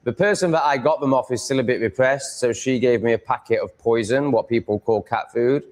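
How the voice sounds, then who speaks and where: A man's voice: medium pitch, fairly quick, darkish tone. A man with a Yorkshire accent chatting casually as a livestream host, rambling in a blunt, crude, sweary way. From Yorkshire, England.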